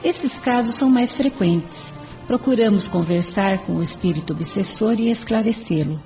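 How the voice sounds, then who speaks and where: Woman doing a calm church spirit, gravelly edge, dull audiobook sound, faint music. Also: mid-range voice, normal speed, natural voice. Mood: serene. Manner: explanatory, composed.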